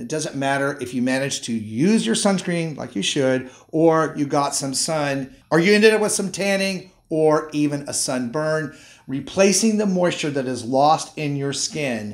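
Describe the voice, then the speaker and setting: A man speaks in an animated tone with lively intonation, his voice fairly high and his moderate pace broken by hardly any pauses. The background is quiet. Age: 50s. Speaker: skincare YouTuber. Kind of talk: product review tutorial.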